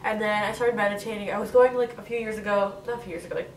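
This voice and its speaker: A congested young woman in her twenties, nasal-voiced, rattles through a casual bedroom Q&A vlog from her bed, leaning on "like" as a filler. She's medium-pitched with fairly even intonation and rapid-fire delivery. The low-quality recording is reverberant and distant, with a little hiss or hum.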